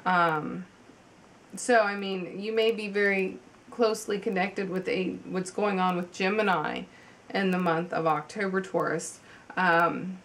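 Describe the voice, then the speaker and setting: Woman with a cold, chatty and halting. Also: on the low side, steady tone, fairly bright tone, slight background noise. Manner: chatty, halting with many ums and restarts. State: has a cold, slightly congested. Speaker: tarot reader. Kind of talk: casual video tarot reading. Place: at home.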